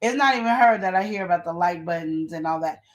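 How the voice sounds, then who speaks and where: A woman co-hosting a live relationship advice show, talking in casual chat with emphatic, animated storytelling and quoted asides. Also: fairly low pitch, quick pace, rough recording.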